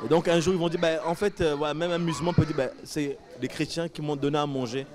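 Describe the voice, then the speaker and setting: A man interviewed after a church event, giving a spontaneous testimony with many pauses and fillers. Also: a little high, a crowd in the background. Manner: hesitant, many fillers, grows animated.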